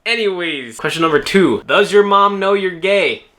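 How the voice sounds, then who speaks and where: Bright-voiced young man, joking vlogger. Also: sits high, animated, normal speed. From New Orleans, United States. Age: young adult. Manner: laid-back, joking, self-teasing. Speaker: YouTuber answering viewer questions. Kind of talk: casual Q&A vlog.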